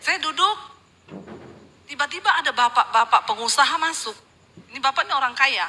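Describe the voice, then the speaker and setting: A woman's voice: high-pitched, animated, moderate pace, pushed and bright, low-quality recording. A middle-aged woman pastor, preaching a live church sermon, telling stories with acted-out quotes and jokes.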